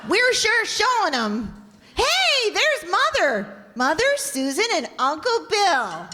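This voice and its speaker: A woman playing an excitable family member who chimes in with eager exclamations. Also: very high-pitched, slow, exaggerated voice. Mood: excited. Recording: reverberant old radio broadcast with faint noise.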